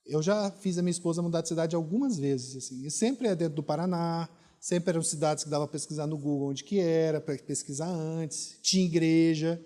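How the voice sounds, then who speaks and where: A man's voice: on the high side, fairly quick, hardly any pauses, warm tone. A middle-aged Brazilian man with a Brazilian Portuguese accent, a pastor preaching a sermon with emphatic, repeated rhetorical questions. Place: church hall. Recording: long hall reverb.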